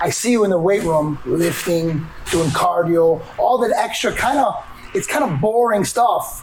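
The speech comes at a fairly slow pace. Noticeable background noise is present. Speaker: podcast host and boxing coach. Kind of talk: casual interview chat. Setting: Miami, gym podcast.

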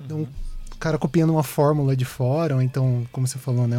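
With music in the background, a man of medium pitch speaks at a fairly quick pace and fairly even intonation. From Brazil, São Paulo. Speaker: podcast co-host and editor. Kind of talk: casual chat.

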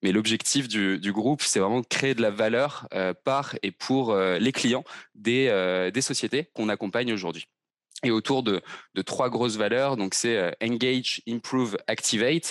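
A medium-pitched man speaks at a fairly slow pace with ordinary pitch variation and very even loudness, in a dry, close sound with no echo on a very clean recording with a silent background. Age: 20s. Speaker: head of sales. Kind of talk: interview. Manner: halting, many repetitions.

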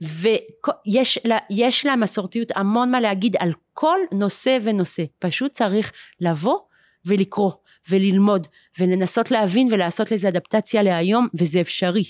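On a very clean recording with a silent background and a dry, close sound with no echo, a woman speaks fairly slowly at medium pitch, with ordinary pitch variation and very even loudness. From France, Paris. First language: French (speaking Hebrew). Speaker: columnist and social activist. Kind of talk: interview.

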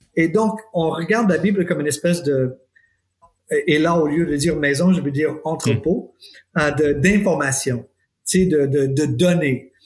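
A man with an English accent, fairly slow, with long, frequent pauses. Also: fairly high pitch for a man, ordinary pitch variation. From United States. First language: English (speaking French). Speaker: theology professor. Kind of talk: casual chat. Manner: halting.

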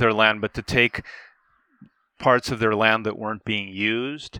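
A man's voice comes through with a bright, sharp tone. The sound is dry and close with no echo, on a very clean recording with a silent background. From Peru. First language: bilingual Spanish and English. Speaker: history professor. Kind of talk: radio interview. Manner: halting, frequent repetitions.

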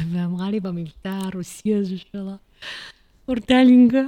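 A woman speaks with lively intonation and a dark, mellow tone. The recording is very clean, with a silent background. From Israel (Ramat HaSharon). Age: 30s. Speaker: dance teacher and doula, podcast co-host. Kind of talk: casual chat. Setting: home at night.

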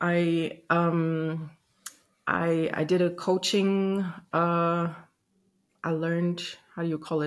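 Recorded very cleanly against a silent background, a woman with a German accent speaks at a fairly low pitch. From Germany. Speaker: entrepreneur seeking coaching. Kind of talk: coaching conversation. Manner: hesitant, halting.

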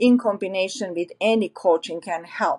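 A woman with an Eastern European accent speaks at a fairly slow pace with ordinary pitch variation, the sound dry and close with no echo over a quiet background. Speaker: NLP coach and real estate agent. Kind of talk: interview, casual explanation.

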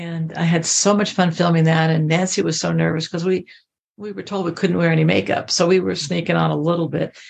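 Its pitch rises and falls in an ordinary way. This is a normal speaking voice. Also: woman, fairly low pitch for a woman, fairly quick pace. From US Midwest. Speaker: actress and writer. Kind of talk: interview.

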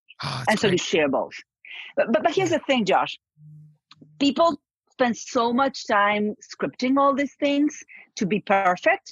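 Her voice is high, and its pitch swings very widely. The woman speaks fairly slowly, with long, frequent pauses. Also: dry, close sound with no echo. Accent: Spanish. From Argentina. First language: Spanish. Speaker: communication coach and speaker. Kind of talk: interview.

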